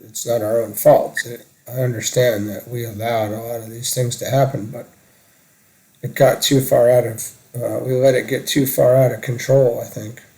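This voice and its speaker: Guy with an average pitched voice, chatting, kinda hesitant, searching for words. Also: level tone, moderate pace, dark tone, poor audio. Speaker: conversation partner asking questions. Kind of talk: casual discussion.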